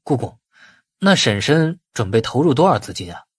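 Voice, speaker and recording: A man's voice: mid-range voice, big pitch swings, normal speed, breathy edge, no echo, clean studio sound. A man narrating an audiobook voices a cautious, shrewd company boss who speaks in a tentative, probing way. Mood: feigned interest. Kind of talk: audiobook dialogue.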